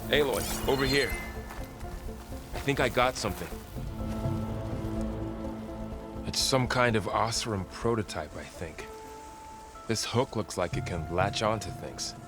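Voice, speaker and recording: An actor playing an earnest, loyal tribal warrior in a video game, plain-spoken and a little cautious. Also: male voice, on the low side, normal speed, over music, close to an everyday voice. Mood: curious, helpful. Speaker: game companion character. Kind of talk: naturalistic video game cutscene acting.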